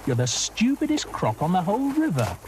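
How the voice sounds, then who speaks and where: A man voicing a sneering male crocodile in a high, mocking tone. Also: huge pitch swings, a little fast, a little mellow, slight background noise.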